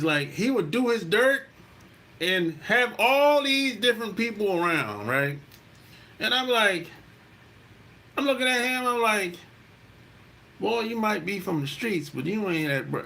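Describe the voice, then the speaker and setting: On his podcast, a middle-aged South Carolina man spins a casual, foul-mouthed story, saying "you know" constantly. His voice is on the high side, bright and forceful.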